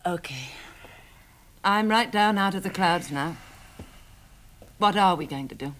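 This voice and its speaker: Lively, wistful young woman. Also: on the low side, measured pace, a little hiss or hum. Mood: sober. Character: wistful, playful, well-bred young woman novelist. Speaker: actress in a radio drama. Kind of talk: 1960s radio drama acting.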